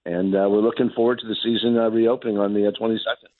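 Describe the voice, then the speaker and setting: Hoarse middle-aged man, phone-in fishing report, halting delivery, tinny phone line. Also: fairly low pitch, level tone. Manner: halting, repeats words, many fillers.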